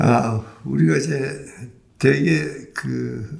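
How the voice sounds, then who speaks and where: Some breathiness runs through the voice. The pitch rises and falls in a lively way. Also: man. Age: 80s+. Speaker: psychiatrist. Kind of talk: interview answer.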